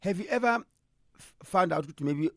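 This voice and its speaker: A man's voice: sits high, lively intonation, moderate pace, fairly bright tone, no echo, clean studio sound. A man co-hosting a radio advice show, chatty and mixing English with Zulu. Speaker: radio co-host.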